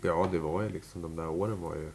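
Here a man who plays music chats informally during an interview, full of filler words and false starts. His low voice has a darkish quality, fairly even intonation and vocal fry, and there's a slight hiss or hum in the recording.

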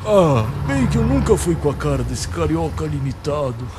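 Man playing a high-pitched, weary, grumpy Santa Claus. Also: very animated, normal speed, noisy background. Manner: solemn, sardonic. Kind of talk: comedic radio drama acting. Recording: loud music behind the voice. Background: music.

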